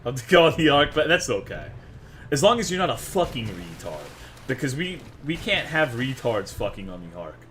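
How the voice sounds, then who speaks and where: A man's voice: mid-range voice, very animated, moderate pace, a bit bright, a little hiss or hum. A man from Texas, chatting crudely and jokingly with viewers while streaming a video game. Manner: brash, profane, joking with chat. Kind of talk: casual live gaming stream chatter.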